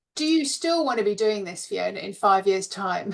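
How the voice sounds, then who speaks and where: A loud, booming put-on character voice at a moderate pace. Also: woman, medium pitch for a woman. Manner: loud, booming, questioning.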